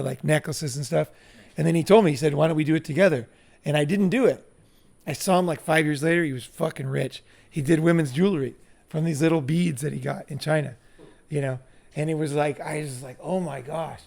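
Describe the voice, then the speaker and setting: Gravelly man telling casual stories. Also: a little high. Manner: animated anecdotes, profane, lots of 'like' and 'you know'. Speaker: group member telling stories. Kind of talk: casual storytelling.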